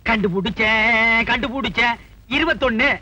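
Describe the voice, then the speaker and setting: A man's voice: very high-pitched, normal speed, sharp tone, heavily acted. An actor playing a vain, boastful village man posing as a head constable, who talks pompously and drops broken English into his lines. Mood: flirting. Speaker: comic actor in a film scene. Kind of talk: film comedy dialogue.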